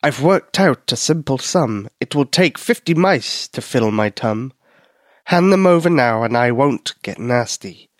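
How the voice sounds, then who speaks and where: A man voicing a sly, menacing male cat who hunts mice and speaks slowly in rhyme, read as a storybook figure. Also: mid-range voice, expressive, dry recording, clean studio sound, natural voice. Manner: slow, drawn-out, speaks in rhyme.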